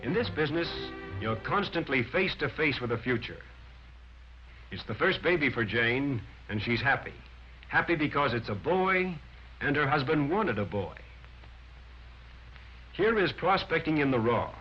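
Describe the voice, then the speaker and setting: A man narrating an old 1940s training film in a lively, sweeping voice that rises and falls. He lectures emphatically and counts off his points. The sound is dull and lo-fi, with faint music underneath. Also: mid-range voice, normal speed.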